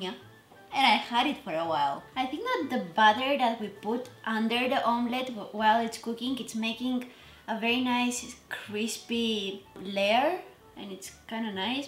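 Chatty woman vlogging in an echoey kitchen. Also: a little high. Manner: chatty, self-deprecating, trails off mid-sentence. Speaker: cooking vlogger. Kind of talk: casual cooking vlog. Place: home kitchen.

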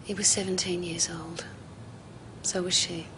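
An actress playing a psychiatrist who speaks calmly and patiently. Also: female voice, fairly low pitch. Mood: measured, gentle. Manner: calm, measured, explaining patiently. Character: calm, measured female psychiatrist, middle-aged. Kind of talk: television drama acting. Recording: noisy TV soundtrack.

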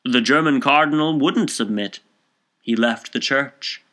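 Man playing a forceful, know-all gentleman holding forth. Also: unhurried, lightly acted. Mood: triumphant, solemn. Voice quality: deep, raucous. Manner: declamatory, self-assured storytelling.

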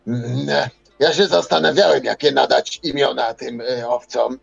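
A man's voice: mid-range voice, measured pace, creaky, slightly rough, highs cut off, faint music behind. A man roleplaying in a tabletop game, talking hesitantly and wordily and repeating himself. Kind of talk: improvised in-character roleplay.

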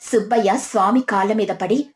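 A woman's voice: medium pitch, moderate pace. A woman narrating a scripted village moral tale in storybook style. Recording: music behind the voice.

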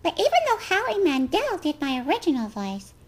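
A chirpy cartoon little boy, acted out by a woman. The voice is very high and swings about in pitch, with a cheeky air. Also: very animated, fairly quick.

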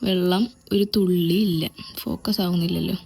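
A woman's voice: fairly low pitch, fairly even intonation, normal speed, gravelly, dark tone, breathy edge, soft background music. A young woman, narrating her day as a family vlogger in a chatty way, often turning to viewers with asides. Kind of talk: casual day-in-my-life narration.

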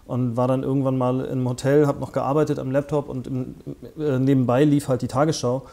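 A man's voice: mid-range voice, flat delivery, brisk, creaky, dark tone. A man in his forties from northern Germany, a guest speaking in a studio interview, hesitant with many fillers and restarts, on a lapel mic. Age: 40s. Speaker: interview guest, festival founder. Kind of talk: conversational interview. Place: small studio set with armchairs.

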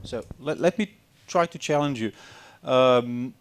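A man's voice: medium pitch, unhurried, a little hiss or hum. A man moderating an academic panel, putting questions to the speakers. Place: classroom-sized indoor conference room with audience.

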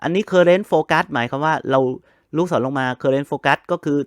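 A man's voice: a little high, a little slow, smooth, no room sound, studio quality. A man hosting a casual computer tutorial, chatting to viewers and spelling out keyboard shortcuts step by step. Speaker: host of a computer help channel. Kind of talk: casual screen-reader tutorial.

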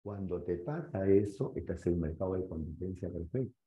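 Animated Peruvian economics teacher. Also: male voice, low voice, a little fast. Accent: Peruvian Spanish. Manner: animated, questioning, storytelling. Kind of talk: lively classroom lecture. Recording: echoey room, dull sound.

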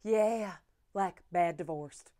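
A woman's voice: fairly low pitch, slow pace, dark tone. A woman playing an overfriendly, oversharing chatterbox tourist, gushing and confiding in a comedy monologue. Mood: gushing, chatty.

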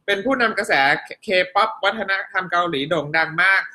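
A woman's voice: fairly low pitch, moderate pace. A middle-aged woman teaching a casual live online class, chatting and reading viewers' comments aloud in a friendly teacher's manner. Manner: chatty, warm teacher tone, polite particles, frequent laughs. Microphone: home live-stream setup.

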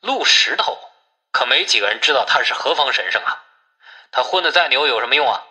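Guy playing a grumbly villager on a phone line, super sharp bright voice, swoopy pitch, complains reluctantly. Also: animated, brisk. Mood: reluctant, grumbling.

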